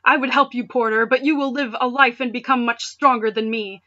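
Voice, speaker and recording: Woman playing a solemn, grand, bright-voiced dragon. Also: on the high side, fairly even intonation, a little fast, dull audio. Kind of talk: amateur fan fiction reading.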